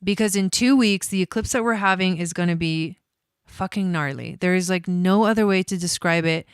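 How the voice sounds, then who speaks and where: A woman's voice: lowish voice, moderate pace, clean tone, no echo. A woman from Argentina, an astrologer hosting a casual livestream, chatty and cursing freely with many fillers. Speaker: astrologer host.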